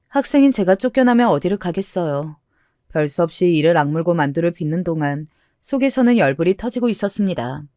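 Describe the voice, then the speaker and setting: A woman's voice: lowish voice, dark tone, no echo, clean studio sound. A woman narrating a first-person story in a confessional, storybook reading style.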